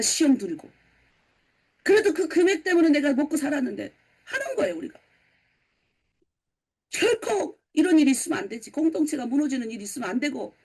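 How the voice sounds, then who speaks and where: High-voiced North Korean woman pastor preaching. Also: vocal fry. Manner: lively, asks the congregation questions and answers them. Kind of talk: early-morning sermon lecture.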